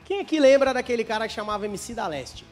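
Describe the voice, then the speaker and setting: A man's voice: extremely high pitch, lively intonation, fast talker, a little mellow, faint music behind. A Brazilian man in his thirties with an Espírito Santo accent, telling stand-up stories and acting out both sides of the dialogues. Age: 30s. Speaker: stand-up comedian. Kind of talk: stand-up storytelling.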